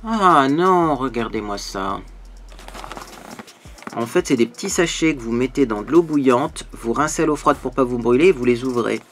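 A man's voice: medium pitch, animated, normal speed, fairly bright tone, a little hiss or hum. A man, a beauty youtuber, chatting casually and animatedly while unboxing a parcel, full of fillers.

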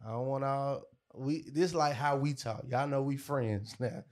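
A man's voice: medium pitch, measured pace. A man in his thirties hosting a podcast, joking casually in slang and jumping in with interjections in a studio. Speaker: podcast host. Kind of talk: casual chat. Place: small furnished podcast studio. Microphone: close boom-arm studio mic with headset.

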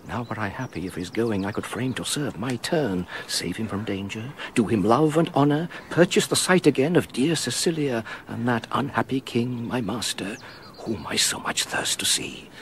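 Loyal earnest courtier for a radio play; animated, measured delivery. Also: male voice, mid-range voice, slight background noise. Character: loyal older male courtier and counsellor, earnest. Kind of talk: classic radio drama acting.

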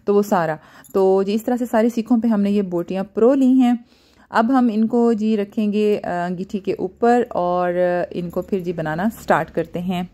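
A woman's voice: mid-range voice, dark tone. A woman with a Pakistani Urdu accent, explaining a recipe step by step in a casual home cooking vlog. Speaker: cooking vlogger. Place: rooftop outdoors at night, and a home kitchen.

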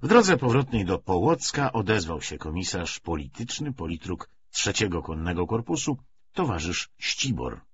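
A man narrating a novel as an audiobook in an expressive literary style. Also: low voice, normal speed, dull audio, slight background noise.

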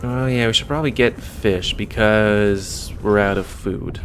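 A man's voice: lowish voice, measured pace, slight background noise. An American man giving casual, rambling let's play commentary with wry asides. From United States. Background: video game music.

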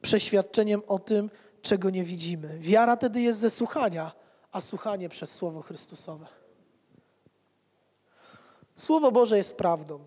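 A man's voice: high-pitched, measured pace, pauses often, mellow. Man preaching in a reverberant hall. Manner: rhetorical repetition, conversational asides. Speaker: pastor. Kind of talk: sermon. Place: church hall with pews. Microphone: handheld mic.

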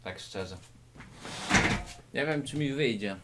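With lively intonation and a slow pace, a YouTuber plays the stern instructor in a jokey martial-arts lesson, addressing the camera directly and lurching from loud to quiet. He's in a low-ceilinged indoor room, and there's heavy background noise.

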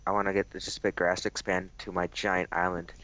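Low man through a voice changer. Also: level tone, fairly quick, pushed and bright. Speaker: gamer. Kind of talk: casual chat while playing a game.

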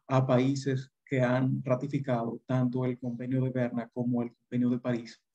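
Mellow, husky man lecturing. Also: medium pitch. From Dominican Republic. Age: middle-aged. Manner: measured, formal. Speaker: guest lecturer, lawyer. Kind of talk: formal webinar presentation. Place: indoor room on a video call. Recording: dull video-call audio.

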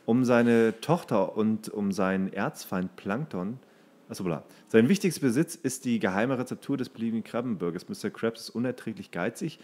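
Low-voiced man reading aloud in casual chat. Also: normal speed, darkish tone. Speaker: podcast co-host.

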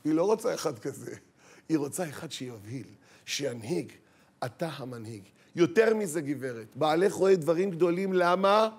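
Man, rabbi, lively sermon, high voice, rhetorical questions, acts out quoted voices. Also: slightly rough. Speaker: rabbi giving a talk.

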